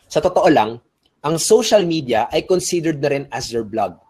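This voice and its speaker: A man's voice: a little high, expressive, moderate pace, darkish tone, breathy edge. A man from the Philippines giving a webinar lecture on online business, full of energy and often checking in with rhetorical questions, switching between Tagalog and English.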